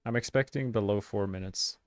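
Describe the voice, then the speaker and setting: A young adult man from Sweden, talking through a live game stream in a relaxed, halting way. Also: fairly low pitch, slight background noise. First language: Swedish. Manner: relaxed, halting, frequent uh and restarts. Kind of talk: live stream commentary while gaming.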